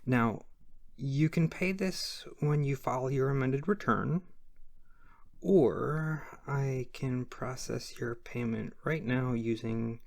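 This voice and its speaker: A performer voicing a shy, flustered IRS auditor in an ASMR roleplay, soft-spoken and hesitant, sometimes slipping into a whisper. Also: medium pitch, creaky, no echo. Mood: awkward, methodical. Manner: hesitant, halting, stammering.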